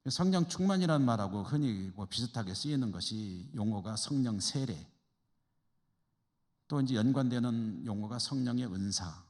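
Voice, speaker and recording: A pastor from Korea's Chungcheong region leads a church Bible study in a reverberant hall, chatting with the class and tossing out rhetorical questions. His voice is medium-pitched, animated and a little mellow, at a moderate pace.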